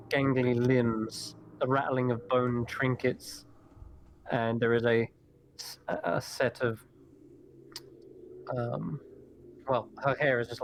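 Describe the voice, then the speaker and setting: A man narrating a tabletop game as game master, descriptive and unhurried. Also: medium pitch, slight background noise.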